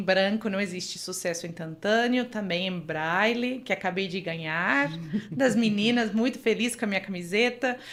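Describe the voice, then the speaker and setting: A woman speaks with an Argentine accent at a medium pitch, with ordinary pitch variation. The recording is very clean, with a silent background. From Argentina, Buenos Aires. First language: Spanish (speaking Portuguese). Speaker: business executive. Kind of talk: podcast interview.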